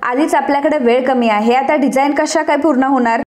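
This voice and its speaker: A cranky young businessman who scolds in quick bursts, as a woman reading a serial recap puts him on. The voice sits high, plainly the reader's own, told like a storybook retelling. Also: steady tone, darkish tone, roomy sound, lightly acted. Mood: angry. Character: irritable young male businessman, stern.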